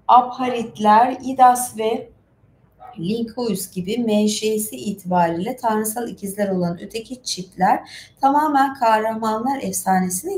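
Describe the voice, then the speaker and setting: A high-pitched woman chats her way through a casual storytelling livestream. She rambles informally between reading and commenting. The room rings with echo, and faint noise sits behind her voice. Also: darkish tone. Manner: chatty, rambling, informal asides. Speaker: livestream host.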